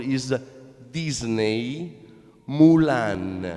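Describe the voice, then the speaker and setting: A man at medium pitch over noticeable background noise. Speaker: sports official. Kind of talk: audience question at conference. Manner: halting; loud.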